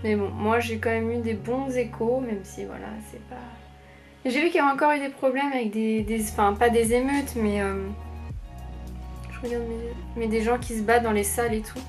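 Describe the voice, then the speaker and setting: A young woman talks her viewers through a makeup tutorial in a loose, chatty way, full of fillers and side stories. Her voice sits a little high. Soft music plays faintly underneath. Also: steady tone, normal speed. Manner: chatty, rambling, many fillers. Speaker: beauty vlogger. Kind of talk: casual makeup tutorial chat.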